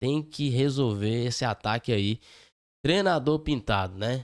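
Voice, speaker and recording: A man talks at a fairly slow pace with a Brazilian accent. The background is quiet. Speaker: football commentator. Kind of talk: casual commentary on league table. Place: home room. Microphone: studio mic.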